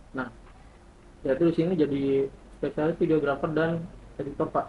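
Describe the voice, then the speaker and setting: The man's voice is fairly high and somewhat breathy. He moves at a fairly quick pace with monotone, flat intonation. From Jakarta, Indonesia. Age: 20s. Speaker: job applicant, videographer. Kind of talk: job interview. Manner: polite, formal.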